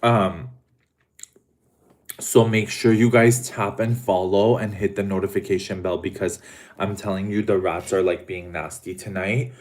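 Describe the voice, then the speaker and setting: Man, livestream host, camp and dramatic, eating while talking, slow drawl, lowish voice. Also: fairly even intonation, a little mellow. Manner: dramatic, camp, drawn-out addressing of viewers. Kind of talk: casual livestream chat.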